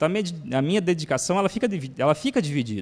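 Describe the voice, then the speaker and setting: In a high voice, a man speaks with very wide pitch swings. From interior of São Paulo state (Tatuí region); São Paulo state, Brazil. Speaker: math teacher; teacher giving a conference talk. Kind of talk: conference talk. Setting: conference hall with audience. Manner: halting, many fillers. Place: hall. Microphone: handheld.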